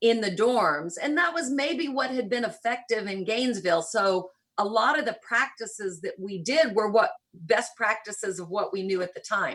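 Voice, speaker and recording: A woman with an American accent, fairly high in pitch, lively in intonation, at a moderate pace. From US South, rural Kentucky. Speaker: missionary church leader. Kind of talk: interview.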